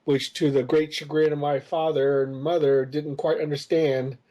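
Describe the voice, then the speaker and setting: A man in his fifties, raised in the United States, guests on a podcast as a comics creator, telling long, rambling stories packed with hesitant "uh"s in a casual interview. His voice sits on the high side with a dark tone, flat delivery and normal speed. The recording is muffled.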